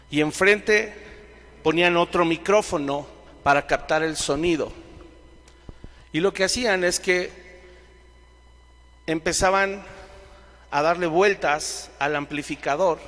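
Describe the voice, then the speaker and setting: A man with a Mexican accent leading a Bible lesson to a live audience in a church hall. His fairly high voice keeps throwing questions at the listeners. A long reverb hangs on every phrase. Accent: Mexican Spanish. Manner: questions the audience directly, lively. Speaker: Bible teacher. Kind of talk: sermon-style Bible teaching.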